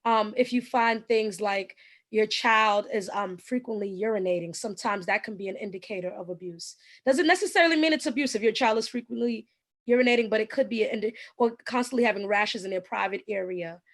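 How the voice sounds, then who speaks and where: A woman with a slightly raspy voice, a guest giving earnest, explanatory advice in an interview with frequent ums. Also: medium pitch, brisk.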